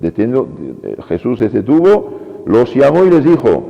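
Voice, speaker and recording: A man preaching a sermon as a priest, with lively delivery that acts out quoted pleas. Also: medium pitch, normal speed, creaky. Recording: lo-fi recording with long church reverb.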